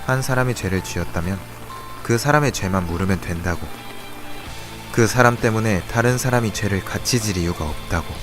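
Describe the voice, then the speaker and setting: Low-voiced brooding young man acted, music behind. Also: fairly quick, lightly acted. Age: young adult. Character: brooding young man narrating his scheme and guilt, cold and curt. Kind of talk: Korean audio drama acting and narration.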